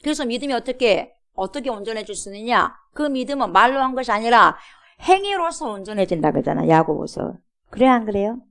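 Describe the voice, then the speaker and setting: A woman's voice: fairly high pitch, expressive, fairly quick, a bit bright. A woman pastor preaching a sermon in a church, emphatic, calling out to the congregation and asking rhetorical questions. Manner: emphatic, many rhetorical questions and repeated "여러분". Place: church sanctuary.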